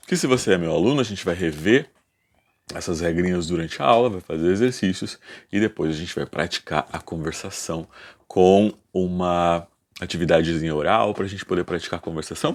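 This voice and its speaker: A man with a Brazilian Portuguese accent teaching an online English grammar lesson, patiently explaining and slowly repeating example sentences, often checking in with "ok?". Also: low-pitched.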